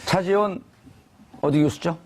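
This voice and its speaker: A man's voice: fairly high pitch, measured pace, crowd noise. A man hosting a live panel talk, bantering with his guests and teasing them with provocative, joking questions. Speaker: talk show host.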